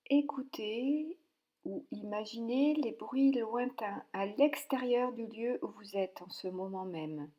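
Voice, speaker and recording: A woman leading a guided yoga nidra relaxation, speaking calmly and softly with long pauses between short instructions. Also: on the high side. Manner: calm, soothing, with long pauses.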